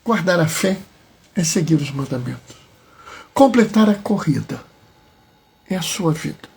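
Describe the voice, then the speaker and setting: A man, a deacon giving a homily with slow, deliberate phrasing and emphatic pauses. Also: a little high, expressive, vocal fry, a little mellow, husky.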